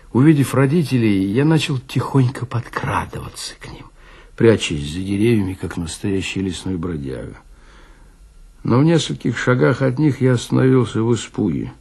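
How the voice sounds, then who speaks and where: Male literary narrator for radio drama: low, husky, measured, expressive.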